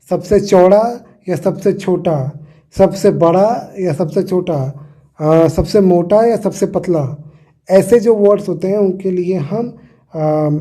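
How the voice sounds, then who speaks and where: Young male teacher, mellow tone, patient explainer who repeats examples. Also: high voice. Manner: patient, repeats points and spells out examples, frequent "uh" fillers. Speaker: English grammar teacher. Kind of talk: casual explanatory lesson.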